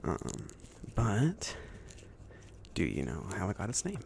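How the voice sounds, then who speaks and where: Casting: chill, kindly mage , male performer for ASMR roleplay; whispery, lightly gravelly, rambling and casual with lilting intonation. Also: lowish voice, huge pitch swings, slow pace, a little hiss or hum, heavily acted. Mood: relaxed, explanatory. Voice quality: soft, breathy whispering mixed with murmured speech. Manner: hesitant, casual, rambling delivery. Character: chill, friendly male mage kindly outfitting his apprentice.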